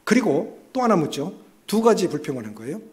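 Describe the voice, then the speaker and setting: Male pastor, church sermon, higher-set voice with a very lively melodic range, shifts between emphatic and soft. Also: a little fast. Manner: lively delivery, dropping to soft asides and rising for emphasis. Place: church sanctuary.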